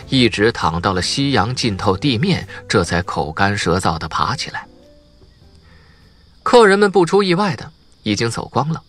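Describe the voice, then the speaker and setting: A male audiobook narrator tells a story in a dramatic, scripted manner. His voice is somewhat husky and moves up and down expressively, with faint music behind it. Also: mid-range voice, a bit bright.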